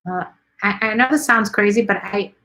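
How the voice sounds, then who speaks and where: A woman's voice: mid-range voice, normal speed, pushed and bright. A middle-aged woman from Chicago hosts a live stream, chatting casually and rambling with lots of ums as she reads viewer comments. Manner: chatty, rambling, many ums and let's sees.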